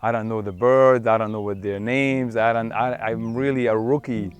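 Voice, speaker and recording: Over music, a middle-aged Syrian man who photographs wildlife talks reflectively and without hurry for a profile interview. He uses many fillers and restarts, and his mid-range voice keeps a fairly even intonation.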